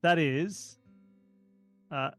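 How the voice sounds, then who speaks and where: A man's voice: on the high side, drawn-out words, a bit bright, no room sound, soft background music. A man playing a tabletop role-playing game, chatting casually and acting playfully theatrical. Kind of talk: casual in-character play and table chat.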